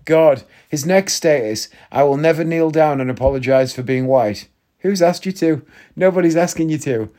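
A man's voice: fairly high pitch, moderate pace, dark tone. A man hosting a podcast, talking in a chatty, blunt and jokey way, often rambling with restarts. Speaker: podcast host. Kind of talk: casual chat monologue.

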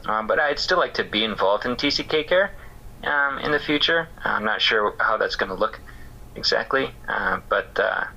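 A man talking as an interview guest about his work, thoughtful and halting with many fillers. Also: on the low side, lively intonation, creaky, pushed and bright, highs cut off. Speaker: interview guest, missions care worker. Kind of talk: casual reflective interview talk.

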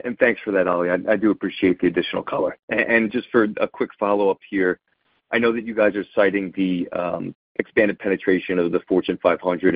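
Male financial analyst, low husky voice, polite wordy questioning, dry narrow telephone sound. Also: no room sound. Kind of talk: earnings call question. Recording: dry, narrow phone line.

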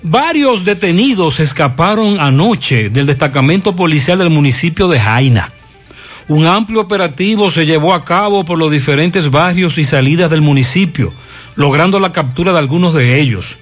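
Higher-pitched Dominican man delivering breaking news. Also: expressive, normal speed. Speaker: radio news anchor. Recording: radio broadcast with music underneath.

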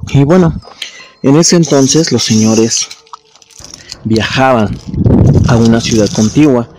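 A man telling a guest story to the show's audience in a formal, unhurried way. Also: mid-range voice, heavy background noise.

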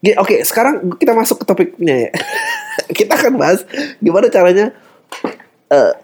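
A man's voice: high voice, very animated, normal speed, a little mellow, husky. A man hosting a podcast, delivering an exasperated, ranting satirical comedy monologue with English swearwords mixed into his slang. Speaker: podcast host.

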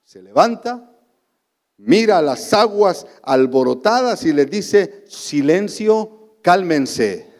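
A man with a Honduran accent preaching a sermon as pastor, swinging between loud exclamations and soft low asides. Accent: Honduran Spanish. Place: church sanctuary. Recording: long church reverb.

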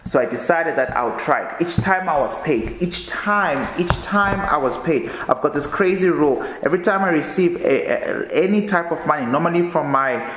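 Halting man reading aloud in an echoey room. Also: lively intonation, fairly bright tone, a little hiss or hum. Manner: halting reading, often stumbles and restarts words; low-key, tired delivery. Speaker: podcast host. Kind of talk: reading a book aloud with casual commentary.

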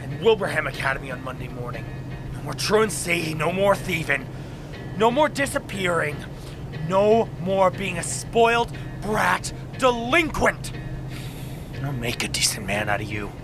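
A man's voice: a little high, sing-song, a little slow, music in the background. Man as a swooping, furious older brother. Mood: stern scolding. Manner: scolding, exasperated, barking orders. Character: angry, domineering older brother, 1920s war veteran. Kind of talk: actual-play audio drama roleplay.

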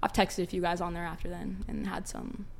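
A woman's voice: lowish voice, flat delivery, fairly quick, vocal fry, a little hiss or hum. A nineteen-year-old woman chatting casually as a panel guest, youthful and informal, often saying "like". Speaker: panel guest, college student. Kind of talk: casual chat.

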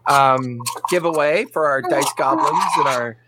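A man's voice: medium pitch, unhurried, very noisy. A man hosting a tabletop game show who gives casual announcements and rambles with frequent ums and uhs. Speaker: game master and host.

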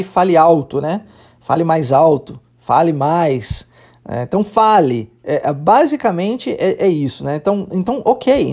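A man's voice: on the high side, gravelly, a little mellow, slightly rough. A man with a Brazilian Portuguese accent, teaching English on a lesson podcast, explaining patiently and drilling phrases aloud.

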